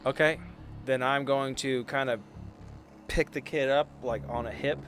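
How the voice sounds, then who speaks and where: Male player, bright forceful voice, informal halting delivery, music underneath. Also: medium pitch, fairly even intonation. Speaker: tabletop game player. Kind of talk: casual in-character roleplay. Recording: music behind. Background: background music.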